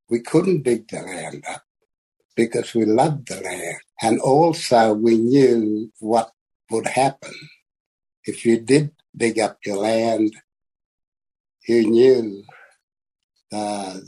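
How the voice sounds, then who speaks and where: An older man with an Australian Aboriginal English accent gives unscripted personal testimony in a plain-spoken, halting, husky voice. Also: on the low side, warm tone, rough recording. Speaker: community elder and land activist.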